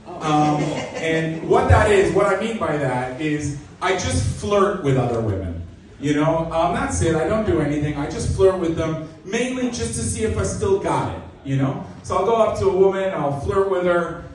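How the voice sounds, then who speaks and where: A young man from Canada doing a self-mocking, deadpan stand-up set in a comedy club, with lots of "you know". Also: a little high, normal speed, slight background noise. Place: comedy club stage, live audience. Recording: echoey club recording from a distance. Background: audience laughter.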